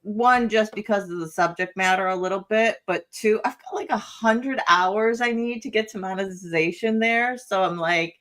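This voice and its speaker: A woman's voice: medium pitch, moderate pace, few pauses, fairly bright tone. A woman who runs a legal commentary channel, chatting casually on a livestream, laughing easily and filling her speech with "like" and "um". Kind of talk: casual live chat.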